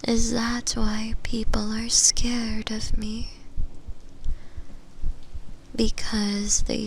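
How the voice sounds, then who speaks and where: A woman playing a lonely, possessive shadow demon in a slow, intimate ASMR roleplay, speaking in a breathy, unvoiced whisper with long pauses. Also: mid-range voice, slight background noise, poor audio. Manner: slow, hushed, lingering delivery with long pauses.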